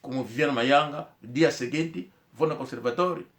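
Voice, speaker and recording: Speaking at a moderate pace in a medium-pitched, somewhat bright voice, an Angolan man recounts a personal story in a casual, rambling monologue. He repeats himself and performs the quoted lines of dialogue, like a commentator sharing his own experience.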